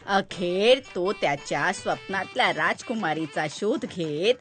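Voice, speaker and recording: A woman's voice: fairly low pitch, expressive, unhurried, faint music behind. A woman voicing a wise, kindly storyteller who narrates a children's tale in a didactic way. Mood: storytelling. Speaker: narrator and host.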